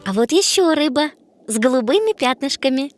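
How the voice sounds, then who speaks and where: A young girl guide in a children's cartoon. She is high-pitched, curious and eager, a dreamer who loves fairy tales, with faint music behind her. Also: animated, a little fast. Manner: inquisitive, eager. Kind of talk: children's educational cartoon acting.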